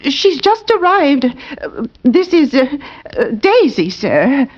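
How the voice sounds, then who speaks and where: Nervous stammering landlady, high pitch, vintage radio. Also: very animated, slow, exaggerated voice. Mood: flustered. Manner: flustered, stammering. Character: nervous middle-aged landlady. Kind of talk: 1940s radio acting. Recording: dull vintage radio recording.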